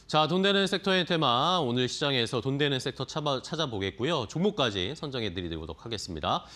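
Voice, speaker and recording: Male market-show host, animated delivery, mid-range voice, friendly lead-ins. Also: medium pitch, a little fast. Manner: lively, upbeat, starts lines with "자". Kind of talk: broadcast talk show hosting.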